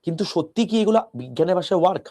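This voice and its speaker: A man teaching an online physics class, talking softly into a close mic and explaining step by step with questions to his students. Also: sits high, lively intonation, racing.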